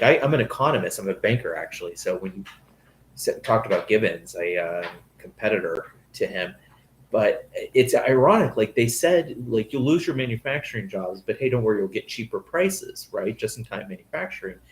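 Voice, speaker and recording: Low-voiced man hosting a podcast. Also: lively intonation, brisk, slight background noise. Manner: chatty, long winding questions with fillers. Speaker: podcast host. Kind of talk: casual interview questions.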